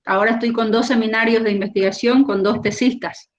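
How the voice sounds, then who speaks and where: A cheerful woman speaks as a poet and lecturer on a video call. Her voice sits a little high, and the call audio sounds dull and lo-fi. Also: fairly even intonation, brisk. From Bolivia. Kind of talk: casual video-call chat.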